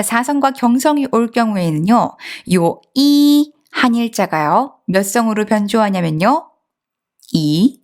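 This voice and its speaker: A woman with a slightly high voice gives a patient online language lesson. She explains step by step and keeps asking the listener questions. She drawls the example words out slowly. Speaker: Chinese teacher.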